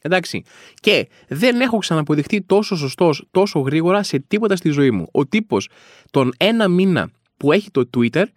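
A man hosts a comedic podcast with a notably high-pitched voice. He rambles through exaggerated, self-mocking rants, with colloquial asides and frequent restarts. The sound is dry and close, with no room around it. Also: no echo. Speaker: podcast host.

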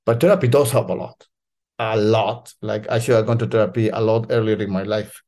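A man's voice: on the low side, steady tone, a little fast, a little mellow. A man, talking in a casual, earnest way and often repeating words as he searches for them. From Latin America. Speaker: storyteller guest. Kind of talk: casual conversation.

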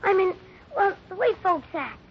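Seeking earnest, eager cowboy kid, high voice, vintage radio drama sound, a little muffled. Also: male voice, big pitch swings, moderate pace, exaggerated voice. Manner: earnest, gee-whiz. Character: eager, wholesome young ranch boy. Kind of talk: 1950s radio acting. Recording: muffled, noisy old radio recording.

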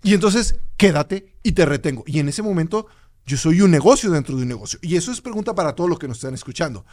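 Lively Mexican man explaining with gusto. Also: fairly high pitch, quick pace. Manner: animated, acts out workplace scenarios. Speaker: podcast co-host. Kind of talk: casual advice chat.

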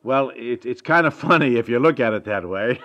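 An actor as a put-upon husband in a fifties radio comedy. His medium-pitched voice is halting and flustered, stammering sheepishly through his lines. The sound is muffled vintage broadcast. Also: animated, a bit bright, close to an everyday voice. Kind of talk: 1950s radio domestic comedy acting. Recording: muffled 1950s radio recording.

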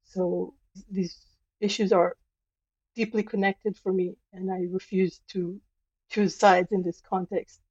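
A woman guest from Israel answers in a flat, even voice, choosing her words with deliberate care. The sound is dry and a little muffled, as if over a remote link. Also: mid-range voice, breathy edge, no echo. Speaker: history professor, guest. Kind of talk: earnest radio interview answer.

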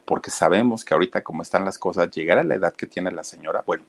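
A man hosting a casual live stream, chatting warmly and reading viewer comments aloud. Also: low voice, fast talker, gravelly. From Mexico. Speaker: online live-stream host.

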